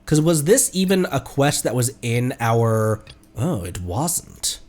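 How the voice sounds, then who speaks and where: A man's voice: medium pitch, very animated, slow, darkish tone. A man chatting casually on a game livestream, playfully thinking aloud as he goes. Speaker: streamer.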